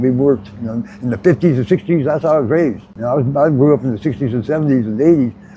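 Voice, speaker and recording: At a very fast pace with hardly any pauses, a man speaks at a fairly high pitch in a dark, mellow, somewhat breathy tone with ordinary pitch variation. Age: 60s. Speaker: retired ironworker. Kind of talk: casual interview. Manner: halting.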